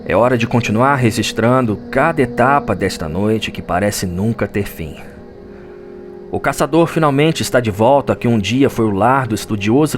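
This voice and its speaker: A man with a Brazilian accent giving a solemn, dramatic scripted narration for an audio drama, like a chronicler telling a story. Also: lowish voice. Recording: music under the voice. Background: background music.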